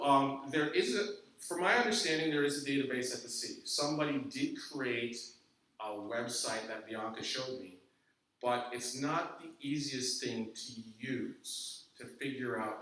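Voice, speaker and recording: A man with a bright, forceful voice talks to a crowd, emphatic and direct. He sounds distant, in a very echoey room picked up from across the space, with a faint hum behind. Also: mid-range voice. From Canada. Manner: emphatic, peppered with "okay?" and "I can tell you". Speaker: guest speaker. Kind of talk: talk with audience questions. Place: large echoey meeting room.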